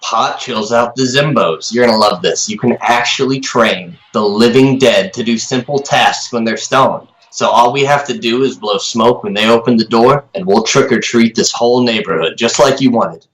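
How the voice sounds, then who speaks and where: Grumpy stoner sidekick played by a man, medium pitch, bossy sarcastic scolding, for a comic horror radio play. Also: moderate pace, few pauses, lightly acted, poor audio. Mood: scheming. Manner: sardonic, scolding. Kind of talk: comic horror audio drama acting.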